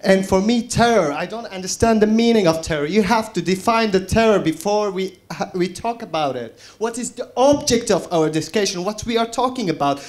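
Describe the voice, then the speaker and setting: Emphatic high-voiced man from Afghanistan. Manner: slow, emphatic, rhetorical questions. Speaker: audience member.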